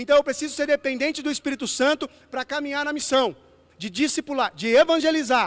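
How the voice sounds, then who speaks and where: Fairly quick speech in a very clean recording with a silent background and a dry, close sound with no echo. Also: man. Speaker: pastor. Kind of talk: sermon. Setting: church. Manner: fast.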